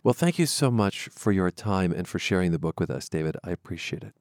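A man's voice: low voice, expressive, fairly quick, a little mellow, no echo, clean studio sound. A man hosting a public radio show, friendly and upbeat, lightly joking with his guest. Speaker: radio host.

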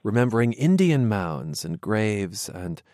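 Measured public radio host, man. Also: fairly low pitch, sing-song, mellow, no echo, clean studio sound. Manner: measured, crisp broadcast delivery. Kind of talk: public radio interviewing and reading. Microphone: studio microphone.

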